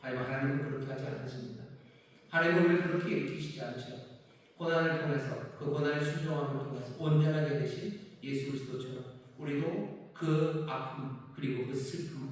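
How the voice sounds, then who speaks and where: Preaching man in an echoey hall. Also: medium pitch. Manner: earnest preaching, slows on key words, rises for emphasis. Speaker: pastor. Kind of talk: sermon. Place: church sanctuary. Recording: echoey church hall from far off.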